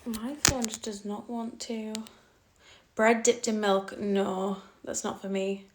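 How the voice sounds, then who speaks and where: A woman's voice: medium pitch, little pitch movement, slow pace, background noise. Blunt Cumbrian woman live-streaming. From Cumbria, England. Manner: blunt, dismissive toward trolls, laughs easily. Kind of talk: casual live-stream chat answering comments. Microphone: phone.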